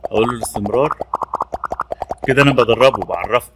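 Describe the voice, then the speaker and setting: The speaker, a man with an Egyptian Arabic accent, talks fast at a medium pitch as he repeats labels and walks through a training tool. It's a casual screen-recorded tech tutorial, and the audio is very noisy.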